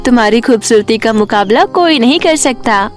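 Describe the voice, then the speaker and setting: Woman as a high-voiced young serpent girlfriend, soothing. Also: expressive, normal speed, faint music behind, lightly acted. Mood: admiring. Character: young female serpent friend, admiring, soothing.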